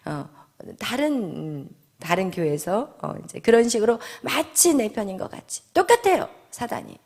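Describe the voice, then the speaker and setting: A woman pastor giving a sermon, reading scripture aloud in a loud, formal voice and preaching in a conversational tone. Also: medium pitch, very animated, measured pace, vocal fry, husky.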